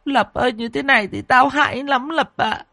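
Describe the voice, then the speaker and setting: A man voicing a frightened, grieving old grandmother who wails in a high, tearful voice. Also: moderate pace, bright, forceful tone, dry recording, studio quality, full character voice.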